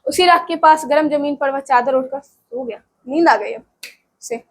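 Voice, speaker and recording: Lady teacher reading a story to the class, high voice, stops a lot to explain stuff simply. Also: moderate pace. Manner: breaks in with plain-speech explanations and check-ins.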